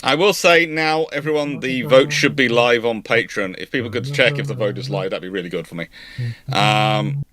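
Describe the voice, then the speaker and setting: A man's voice: medium pitch, normal speed, a bit bright. A man hosting a live question-and-answer stream, talking in a wry, discursive way with sarcastic asides. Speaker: host.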